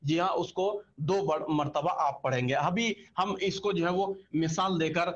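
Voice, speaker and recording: A man's voice: a little high, a little slow, dull audio. A man teaching an online Quran reading class, patiently repeating letter sounds for drilling.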